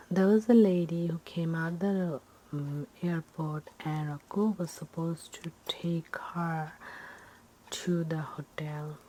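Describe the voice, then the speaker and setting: A woman telling a ghost story in ASMR style, soft and breathy, often slipping into a whisper, with halting, simple, repetitive phrasing. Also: deep voice, poor audio.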